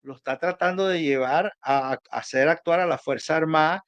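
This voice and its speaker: Male political analyst, Venezuelan Caribbean accent, fairly high pitch, emphatic repetition, dry sound. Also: moderate pace, dry recording, muffled recording. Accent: Venezuelan Spanish. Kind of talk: animated political discussion, conversational.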